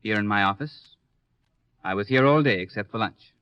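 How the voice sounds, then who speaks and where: An actor playing a courteous, careful lawyer in an old radio detective serial, speaking in a measured, matter-of-fact way. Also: male voice, fairly low pitch, clear, resonant tone, no room sound, close to an everyday voice. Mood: careful, polite. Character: courteous, measured professional male lawyer being questioned. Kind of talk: 1950s American radio detective serial acting. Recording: dry, dull old radio recording.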